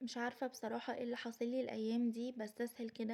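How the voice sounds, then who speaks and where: A woman's fairly high voice stays monotone, with flat intonation. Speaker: cooking channel host. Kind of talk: cooking tutorial. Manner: casual, chatty with frequent fillers.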